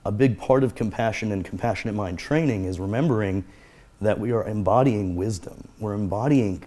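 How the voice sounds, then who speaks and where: A man's voice: lowish voice, a little fast, mellow. A man speaking as a guest therapist, explaining in an earnest conversational way and repeating his key phrases.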